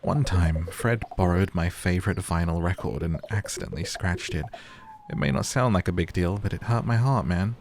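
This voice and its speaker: A smooth-talking hot dog vendor villager. He speaks in a low, flowery, boastful way. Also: moderate pace, a little mellow, a little hiss or hum.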